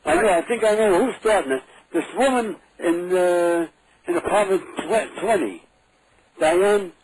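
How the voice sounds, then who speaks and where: A man's voice: high-pitched, unhurried. A man in his eighties on the phone, confused, repeating his questions and swearing now and then. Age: 80s. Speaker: prank call recipient. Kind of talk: phone conversation. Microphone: telephone. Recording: noisy phone line.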